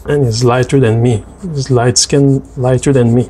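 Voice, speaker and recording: Male French Canadian voice-over, native French speaker, hesitant and chatty, mellow tone, mid pitch. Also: steady tone, moderate pace, slight background noise. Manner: hesitant, many restarts and fillers. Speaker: artist narrating a drawing video. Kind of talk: casual voice-over chat.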